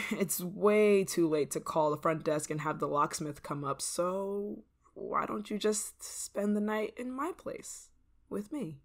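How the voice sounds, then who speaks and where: In an ASMR roleplay, a woman plays an obsessive, controlling neighbor, speaking softly and drifting into whispers laced with sweet, creeping menace. Her voice sits on the low side, slow and coaxing.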